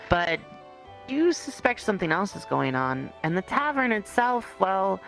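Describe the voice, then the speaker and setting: Game master, creaky voice, medium pitch, conversational improvised narration, halting delivery, faint background music. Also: a bit bright, rough recording. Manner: conversational, halting storytelling with hedges. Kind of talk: improvised roleplay narration in second person.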